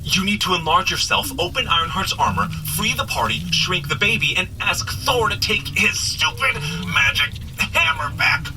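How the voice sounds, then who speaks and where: A man's voice: high-pitched, big pitch swings, moderate pace, few pauses, noisy background. A man playing a bumbling, good-hearted superhero in a comedy audio drama, coaching the listener with nervous, apologetic, rambling chatter. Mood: urgent, apologetic. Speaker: actor playing a superhero guide.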